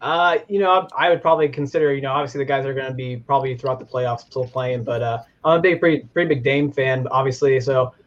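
A man's voice: mid-range voice, steady tone, quick pace, few pauses, lo-fi sound. A man in his twenties from Indianapolis, a guest on a casual podcast, talking in a laid-back, hesitant way with lots of fillers. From Indianapolis, USA. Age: 20s. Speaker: guest from a community Discord.

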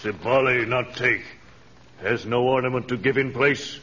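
A man playing a surly tribal chief in a radio serial, speaking gravelly, terse, halting broken English. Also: medium pitch, pushed and bright, lightly acted. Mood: surly, hostile. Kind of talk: old radio adventure serial acting. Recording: dull old radio recording.

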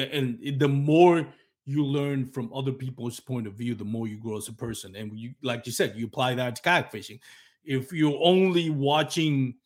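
Puerto Rican man, husky and earnest. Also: mid-range voice. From Puerto Rico. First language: Spanish. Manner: earnest, reflective, searches for words. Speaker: podcast host. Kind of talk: casual podcast chat.

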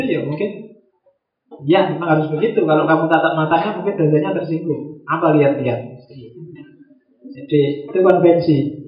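A man giving a relaxed, joking philosophy lecture to a class. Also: on the high side. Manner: joking, conversational, acts out little quoted exchanges. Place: classroom with students. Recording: roomy, dull lo-fi classroom recording.

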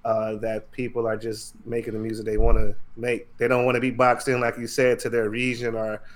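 A man co-hosting a podcast, chatting in a relaxed, reflective and agreeable way. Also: medium pitch, a little fast. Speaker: podcast co-host. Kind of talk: casual podcast chat.

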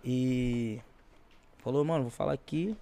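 His voice medium-pitched and mellow, a man with a Brazilian accent talks at a measured pace as an interview guest. He chats casually and tells lively stories in slang-filled, informal speech.

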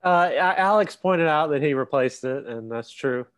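A man's voice: on the high side, animated, moderate pace. A man co-hosting a casual podcast chat, laughing often as he tells the story. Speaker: podcast co-host.

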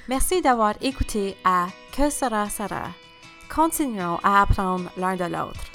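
Animatrice de balado encourageante. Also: female voice, medium pitch, animated, a little slow, faint music behind. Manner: warm, encouraging, reflective questions. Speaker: podcast host and educator. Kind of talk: podcast interview.

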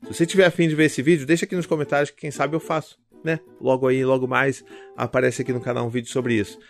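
A man's voice: mid-range voice, flat delivery, quick pace, faint music behind. A man giving casual parenting advice in a conversational vlog, explaining with acted-out examples. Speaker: parenting vlogger. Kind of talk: casual direct-to-camera advice.

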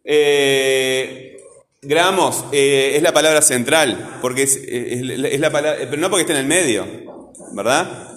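Male teacher, firm and insistent, mid pitch, echoey classroom recording. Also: unhurried, fairly bright tone. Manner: firm, insistent, tags sentences with "¿verdad?". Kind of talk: classroom teaching and scolding a student. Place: school classroom.

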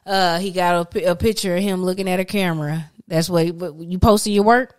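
A woman's voice: on the low side, fairly even intonation, a little fast. A woman hosting a casual podcast chat, blunt and teasing, laughing often between remarks. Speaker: podcast host.

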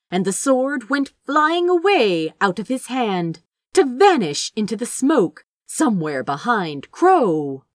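A woman's voice: on the high side, no room sound, studio quality. A woman reading a fantasy story aloud as an audiobook narrator, in a dramatic storytelling style. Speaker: fan fiction audiobook narrator.

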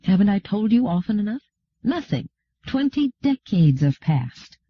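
A man voicing a stern, proud woman aristocrat who speaks in a clipped, sharp way. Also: high-pitched, sing-song, moderate pace, dry recording, pitched above the performer's own voice. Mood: cool. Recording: dull lo-fi recording.

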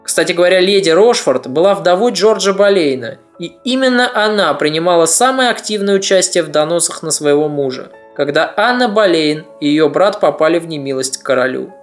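Brief: podcast history narrator, measured, wry asides, mid pitch, soft music bed. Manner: measured storytelling with ironic asides.

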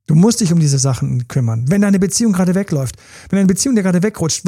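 A man's voice: high voice, mellow, no room sound, studio quality. A man giving relationship coaching in a podcast monologue, talking straight to his listeners in a direct, informal way.

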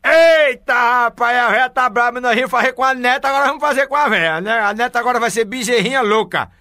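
A man's voice: very high voice, quick pace, pushed and bright, no room sound, studio quality. A man hosting a radio prank call, teasing and mock-polite as he repeats his catchphrases. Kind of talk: prank phone call banter.

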